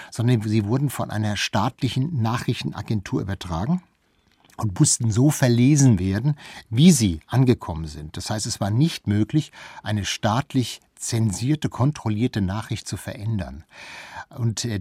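A man's voice: fairly low pitch, a little mellow, breathy edge, no room sound, studio quality. A man speaking as an expert interview guest, explaining things in detail with examples.

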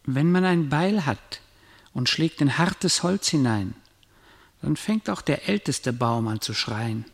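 High-voiced ominous male declaimer in reverb. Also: lively intonation, takes it slowly, gravelly, exaggerated voice. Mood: ominous, clinical. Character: ominous, detached chanter of grim slaughter parables. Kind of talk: declaimed radio drama interlude. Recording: long reverberant hall.

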